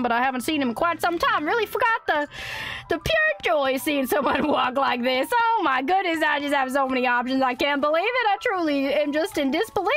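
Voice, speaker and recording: Streaming a game, a woman puts on a goofy country drawl and exclaims and giggles as she plays, keeping up in-character let's play commentary. Her voice is high-pitched and a bit bright.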